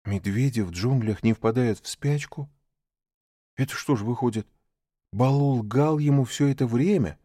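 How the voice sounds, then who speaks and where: A man voicing an excitable jungle boy in an audiobook, pleading in a raised voice. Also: mid-range voice, moderate pace, dry recording, clean studio sound, lightly acted. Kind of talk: audiobook character voice.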